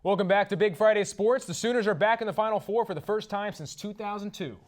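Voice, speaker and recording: Young male student sports anchor, fairly high voice, reads copy straight-faced. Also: quick pace, soft background music. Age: young adult. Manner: mock-serious delivery of a prank report.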